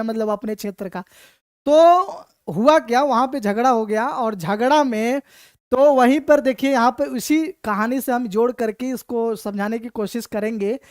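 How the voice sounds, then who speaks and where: A woman teacher tells a comic story to explain a lesson, acting out its scenes and repeating memory phrases. Her voice sits a little high. The sound is dry and close. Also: dry recording. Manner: lively, dramatizing, repeats mnemonic phrases.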